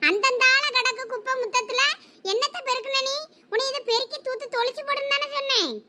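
A woman's voice: very high voice, fairly even intonation, heavily acted. A woman with a Thoothukudi Tamil accent playing a village mother who keeps scolding and nagging her daughter in a comedy skit. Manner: scolding, quick sharp nagging.

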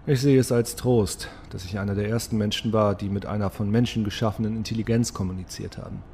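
A man's voice: on the low side, a little mellow, a little hiss or hum, close to an everyday voice. A man playing a sober, resigned scientist and project leader, dictating a formal, solemn log entry in an audio drama.

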